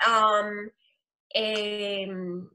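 A middle-aged woman from Colombia with a strong Caribbean coast accent, explaining her work as a loan officer in an interview, earnest and filling pauses with "eh". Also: mid-range voice, level tone, bright, forceful tone. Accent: Colombian Caribbean coast Spanish. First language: Spanish. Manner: earnest, explanatory, with frequent "eh" fillers. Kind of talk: interview answers.

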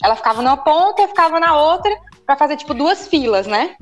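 A Brazilian woman with a Brazilian Portuguese accent, telling a story in a casual chat and filling pauses with "né". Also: high voice, muffled recording, soft background music. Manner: animated storyteller, many fillers like "né".

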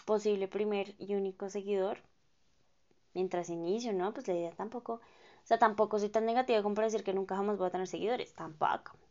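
A woman's voice: mid-range voice, warm tone. A young woman in her twenties with a Colombian accent, rambling through a casual, self-deprecating solo podcast full of slang. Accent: Colombian Spanish. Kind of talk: casual chatty monologue. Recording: dull lo-fi sound.

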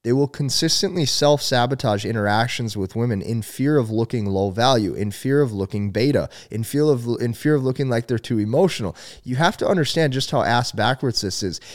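A man's voice: medium pitch, expressive, moderate pace, hardly any pauses. A young man giving dating advice straight to the viewer, emphatic and blunt, with casual swearing and points counted off as A, B, C. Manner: casual profanity and many restarts. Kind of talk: direct-to-camera advice monologue.

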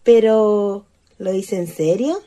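A woman's voice: mid-range voice, slow, dark tone. An actress playing a shy, naive, wistful female ghost in a radio play, with a Chilean accent and a hesitant, girlish manner.

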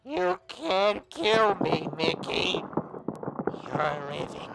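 An actor playing a sadistic, vengeful monster in a horror audio drama, with gravelly, mocking menace. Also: medium pitch, sing-song, over loud music, full character voice, low-quality recording. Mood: vengeful, taunting. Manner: menacing, drawn-out, mocking taunts.

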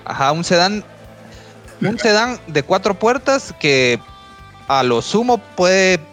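A man telling a road-trip story on a podcast, animated and profane. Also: high voice, slow, faint music behind. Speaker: podcast host. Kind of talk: casual storytelling chat.

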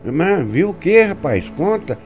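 A man's voice: high-pitched, big pitch swings, unhurried, darkish tone, soft background music, voice pushed up. A man doing a blunt, insistent rural landowner. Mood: urging. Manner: raised, urging, questioning.

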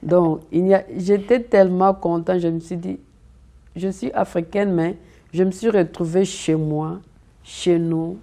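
Low-voiced woman, earnest. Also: steady tone, measured pace, dark tone. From Democratic Republic of the Congo. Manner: earnest, repeats and restarts words often. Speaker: interview guest. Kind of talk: conversational interview. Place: community TV studio.

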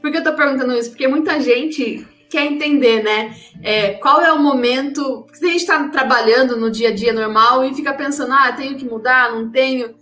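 A woman's voice: high-pitched, brisk, hardly any pauses, pushed and bright, faint music behind. Chatty woman co-hosting a podcast. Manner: chatty, asks long rambling questions. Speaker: podcast co-host. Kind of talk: casual podcast interviewing.

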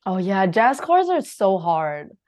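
A woman's voice: medium pitch, very animated, slow pace, a little mellow. A young woman hosting a podcast, chatting casually and giggling often. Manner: giggly, chatty, with frequent laughs and fillers. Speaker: podcast host. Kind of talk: casual chat.

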